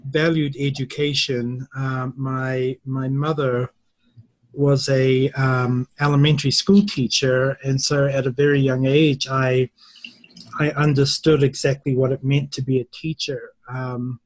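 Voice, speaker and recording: A middle-aged man from New Zealand, a university English teacher, answering interview questions slowly and thoughtfully, with many pauses. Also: medium pitch, flat delivery, dry recording, poor audio.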